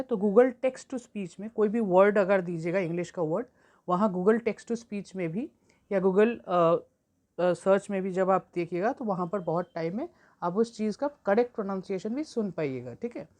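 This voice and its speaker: A woman teaching an exam-prep lesson, reading English textbook lines slowly and then explaining them at length. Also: medium pitch, darkish tone.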